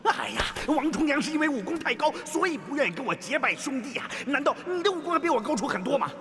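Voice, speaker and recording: An actor playing a playful, childlike old martial-arts master in a costume drama, who whines, teases and cries out "aiya" often. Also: male voice, very high voice, lively intonation, fast talker, music in the background. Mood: tantrum. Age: older. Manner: whiny, teasing, many "aiya" exclamations. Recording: long reverb on dialogue.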